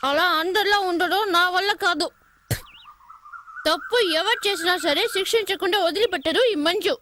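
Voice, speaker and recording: An actress playing a headstrong young woman who accuses and bosses others in sharp dubbed film dialogue. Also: very high voice, moderate pace, a little hiss or hum. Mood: haughty. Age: young adult. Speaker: film character.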